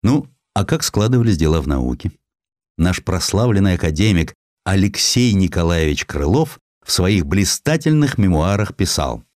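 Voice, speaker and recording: A low-pitched man reads literary history aloud. His intonation moves widely and expressively while the delivery stays measured. The recording is dry and close, with very little room sound. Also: a little mellow, no echo. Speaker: audiobook narrator. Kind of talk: scripted literary narration of a historical essay.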